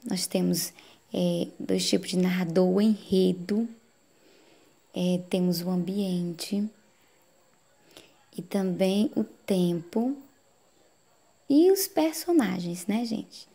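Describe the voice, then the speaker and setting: A woman teacher giving a recorded lesson to adult students, explaining slowly and checking in with frequent tag questions. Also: on the low side, vocal fry, dark tone.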